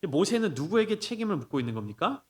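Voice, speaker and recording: A man's voice: sits high, quick pace. A man preaching a sermon as pastor, explaining the passage with rhetorical questions he answers himself. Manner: acts out scolding quotes in lively bursts.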